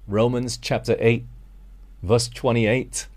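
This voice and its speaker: A man's voice: medium pitch, flat delivery, slow, darkish tone. A Malaysian man preaching a sermon, earnest and direct, calling his listeners friends and asking them rhetorical questions.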